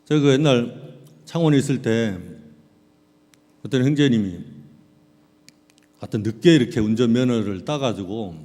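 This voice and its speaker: A middle-aged male pastor preaching a sermon, telling personal stories in an animated way and acting out scenes. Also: medium pitch, moderate pace, long pauses. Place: large hall at a church camp. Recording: long reverb of a large hall.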